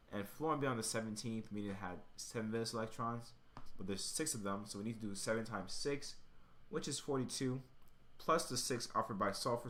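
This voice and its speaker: A man with a fairly low voice works through an explanation as a tutor would. He takes it step by step in an informal way, thinking aloud as he goes. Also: fairly bright tone. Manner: thinking aloud while working. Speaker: chemistry tutor.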